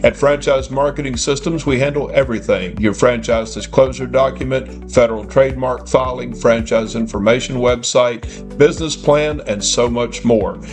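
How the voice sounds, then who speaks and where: Man reading an upbeat ad over music. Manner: upbeat sales pitch, slowing down for the phone number. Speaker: advertiser, franchise consultant. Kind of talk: scripted ad read. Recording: ad read over soft music.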